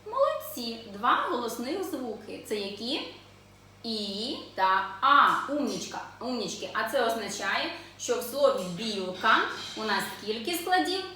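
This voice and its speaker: A woman's voice: a little high, very animated, pushed and bright, slight background noise. Sing-song woman teaching preschool reading. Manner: slow, sing-song syllable reading with frequent questions to children. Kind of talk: children's literacy lesson. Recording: echoey room, voice from a distance.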